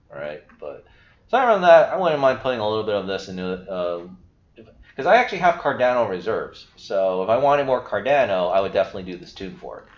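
A young man talks through a screen share in a loose, chatty way, filling gaps with "you know" and "all right". His voice sits a bit low. The sound is roomy and dull, like a basic desk setup in a small room. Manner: chatty, filler-heavy, explaining as he goes. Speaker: crypto video host. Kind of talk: casual screen-share walkthrough.

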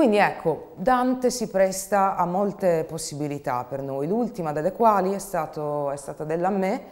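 Woman in her 30s, low voice, thoughtful interview talk from a theatre artist. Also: expressive, moderate pace, darkish tone. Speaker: theatre artist presenting her company's work. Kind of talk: reflective interview to camera. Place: dark indoor studio.

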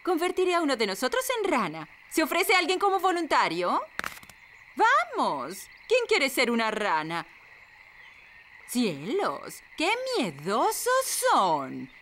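A woman's voice: sits high, wildly swooping pitch, fairly bright tone, slight background noise, heavily acted. A woman voicing a mischievous, bossy fairy nanny in a cartoon dub, theatrical, with a Latin American Spanish accent. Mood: theatrical, commanding. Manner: theatrical, brisk know-it-all.

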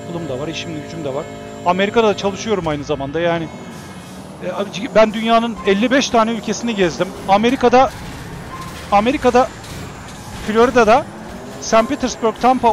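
A man in his forties chatting bluntly while playing a game, swearing freely and breaking into excited shouts. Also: sits high, slight background noise. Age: 40s. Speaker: gaming streamer. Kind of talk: casual gameplay commentary.

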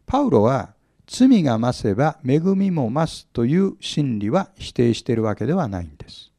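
A male pastor teaches from the Bible in a mid-range, dark-toned voice, very animated and at a normal speed. He often asks his audience questions, hits words with force, and humorously acts out little scenes. The recording is studio quality with no room sound.

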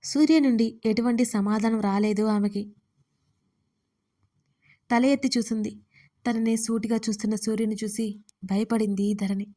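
A woman, the writer and narrator, reading a scripted audio story in a steady, even way. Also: on the high side, moderate pace, pauses often.

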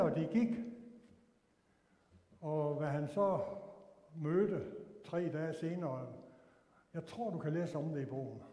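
A male preacher delivering a storytelling sermon in a fairly high voice, animated and acting out the dialogue. His words carry a long reverb through the church hall.

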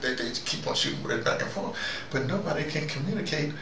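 A man hosting an informal monologue, telling anecdotes in a halting, digressive way and acting out both sides of exchanges. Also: fairly high pitch, animated. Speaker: host of a recurring spoken dispatch. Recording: noisy, roomy recording, distant from mic.

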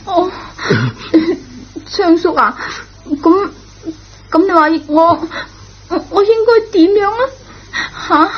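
A woman's voice: extremely high pitch, takes it slowly, long pauses. A woman playing an earnest, anxious young schoolgirl in a radio drama. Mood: tearful, distressed. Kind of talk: Cantonese radio drama acting. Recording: dull, lo-fi old radio recording.

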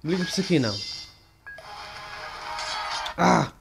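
This gamer has a high voice with vocal fry and speaks at a moderate pace while music plays in the background. He casually narrates a horror game for viewers and a friend, getting excited and yelping whenever a jump scare hits.

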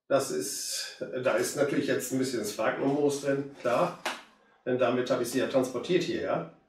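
A hoarse man in his fifties with a cold, chatting casually to viewers as he works on a plant. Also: mid-range voice, moderate pace, recorded from a distance. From Germany. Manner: relaxed, chatty, addresses viewers directly. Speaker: bonsai hobbyist. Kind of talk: casual how-to commentary while working. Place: indoor room with curtain backdrop. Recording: very echoey room, voice off-mic.

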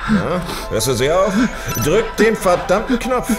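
A man acting as a contemptuous older father in a sci-fi audio drama. His voice swings dramatically in pitch as he taunts harshly and domineers. Loud music runs behind him. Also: big pitch swings, measured pace. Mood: angry taunting. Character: scornful, domineering father belittling his grown son.

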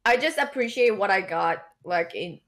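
A woman's voice: mid-range voice, animated, moderate pace. A young Japanese woman with a Japanese accent in English and a Kansai lilt in Japanese, chatting hesitantly as a podcast guest with lots of fillers. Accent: Kansai Japanese in Japanese speech. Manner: soft-spoken, hesitant, with many fillers. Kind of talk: casual chat, switching between English and Japanese. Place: bedroom at home. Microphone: video call.

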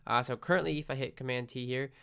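A man's voice: mid-range voice, quick pace, vocal fry, pushed and bright, clear, resonant tone. A man with a head cold, sounding congested as he chats casually through a screen recording. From United States. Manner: chatty, restarts often, friendly asides. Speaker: tech vlogger.

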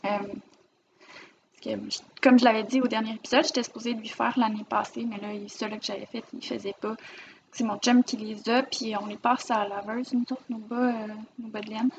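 A woman's voice: fairly high pitch, little pitch movement, brisk, lo-fi sound, a little hiss or hum. A woman with a Quebec French accent, chatting casually on camera as she shows off her finished knitting projects. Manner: chatty, rambling, warm about her projects. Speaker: knitting vlogger. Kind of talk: casual show-and-tell vlog. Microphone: camera mic, filming herself.

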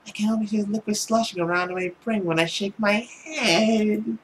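A man voicing a tipsy, emotional young woman in a visual novel, with a slurred, drawn-out delivery. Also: high voice, fairly even intonation, a bit bright, slight background noise, pitched above the performer's own voice. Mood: drunk, playful.

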